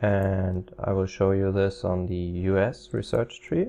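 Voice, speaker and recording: With a non-native accent, a man speaks at a fairly slow pace in a dark, mellow tone and a fairly low pitch. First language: not English. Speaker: gaming tutorial creator. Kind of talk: game tutorial voice-over. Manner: hesitant, many filler sounds.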